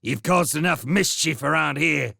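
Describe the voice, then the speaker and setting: A man voices a pair of lazy, boorish rat guards in a storybook reading. The voice is gravelly and husky, with a sharp, edgy brightness and wild swoops in pitch. They bluster and threaten in coarse slang. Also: big pitch swings, measured pace, dry recording, studio quality, heavily acted. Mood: angry. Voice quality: gravelly, rough-edged. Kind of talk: audiobook character voice.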